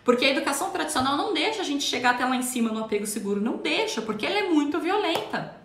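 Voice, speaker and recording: A woman's voice: high voice, lively intonation, racing, a bit bright, reverberant. A woman who teaches parenting, talking to viewers in an emphatic way and repeating words for stress. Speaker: parenting educator. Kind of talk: talk to viewers.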